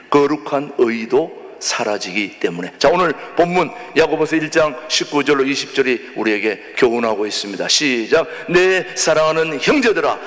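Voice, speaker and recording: A middle-aged man preaching a sermon to his congregation, posing questions to them as he goes. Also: a little high. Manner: animated, asks the congregation questions. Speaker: pastor. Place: church sanctuary. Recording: long hall reverb.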